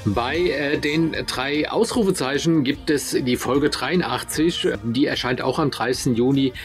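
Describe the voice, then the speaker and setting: A man's voice: mid-range voice, measured pace, faint music behind. A man co-hosting a podcast, talking casually as he recommends radio dramas. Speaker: podcast co-host.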